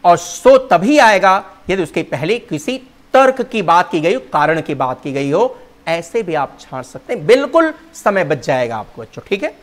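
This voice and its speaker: Lively high-pitched Hindi-speaking male teacher. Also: normal speed. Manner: addresses students as "bachchon", spells words letter by letter; mixes Hindi with English words and phrases. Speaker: English exam teacher. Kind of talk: Hindi lecture on English vocabulary.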